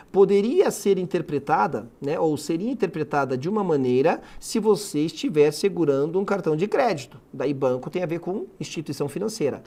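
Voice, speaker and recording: A man with a Brazilian Portuguese accent runs a video lesson on English for a public exam. He talks in a casual, animated way and keeps asking the listener rhetorical questions. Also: sits high, creaky. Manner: lively, colloquial, asks the listener rhetorical questions. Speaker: English teacher for exam prep.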